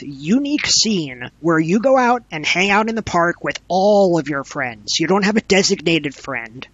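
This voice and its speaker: A man's voice: a little high, a bit bright, no room sound, muffled recording. A man talking as an interview guest, explaining his work as a game developer in an emphatic way with rhetorical repetition. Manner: emphatic, repeats phrases in rhetorical runs.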